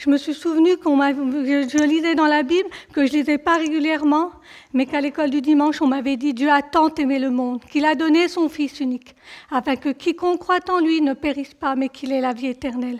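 This woman has a high voice. Her intonation stays fairly even. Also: fairly quick pace. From France, Kabyle Algerian family. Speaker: church member giving testimony. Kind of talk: testimony.

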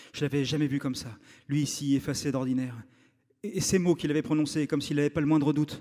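A man at a very fast pace, in a very clean recording with a silent background. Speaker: novelist reading his book aloud. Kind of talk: literary audiobook reading, solemn and flowing narration of a novel. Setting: stage with audience, musical reading.

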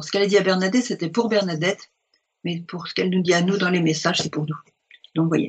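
A woman speaks at a very fast pace in a somewhat breathy, medium-pitched voice, with fairly even intonation and long, frequent pauses. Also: big swings in loudness. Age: 70s. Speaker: religious teacher. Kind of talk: sermon. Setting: video recording. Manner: halting.

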